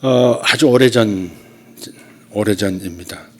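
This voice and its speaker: This pastor's voice is lowish and slow as he gives a conversational church sermon. He tells stories, alternating between loud and soft speech.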